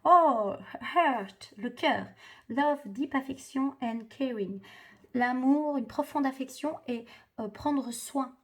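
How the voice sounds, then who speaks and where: A woman's voice: high voice, slow pace. Hesitant woman reading cards. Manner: hesitant, many fillers and restarts, talks straight to viewers. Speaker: tarot card reader. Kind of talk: spiritual card reading.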